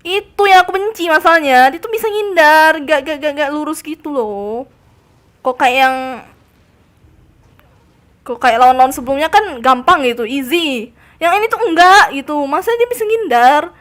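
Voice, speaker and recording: A high-pitched young woman commentates a live game stream. She talks casually to her chat, squeals and shrieks when startled, and taunts the enemies in a mock-tough voice. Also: animated, moderate pace, fairly bright tone.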